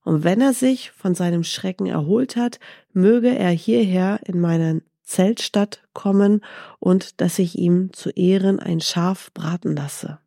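A woman's voice: fairly low pitch, slow pace, vocal fry, warm tone, no room sound, clean studio sound, heavily acted. A woman voicing a dignified, generous sheikh. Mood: gracious.

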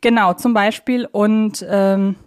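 A woman's voice: medium pitch, steady tone, slow. A young adult woman with a German accent hosting a casual podcast, explaining things in wordy, self-correcting loops. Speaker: podcast host.

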